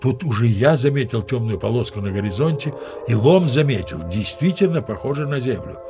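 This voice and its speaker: An actor playing a pompous, easily irked sea captain who tells his yarn in a grandiloquent, expressive theatrical manner for an audio play. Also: mid-range voice, a little fast, music in the background, close to an everyday voice. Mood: storytelling.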